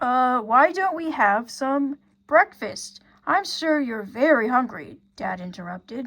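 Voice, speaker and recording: Using a put-on character voice, a woman speaks high-pitched in a raised, projected voice. Her pace is fairly slow. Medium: read story. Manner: patient, diplomatic.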